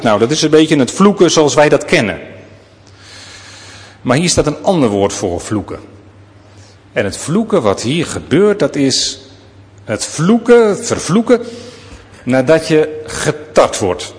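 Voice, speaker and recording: Guy preaching in a church, lively storytelling voice, lots of echo. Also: fairly high pitch. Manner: lively storytelling, addresses listeners directly. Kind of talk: sermon.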